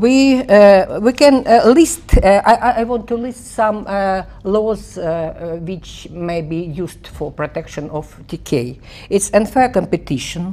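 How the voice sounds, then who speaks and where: A woman talks fairly slowly at a medium pitch, with very wide pitch swings and big swings in loudness. Noticeable background noise is present. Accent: Russian. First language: Russian. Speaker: conference speaker, government official. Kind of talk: conference talk. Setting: conference hall. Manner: halting, many fillers.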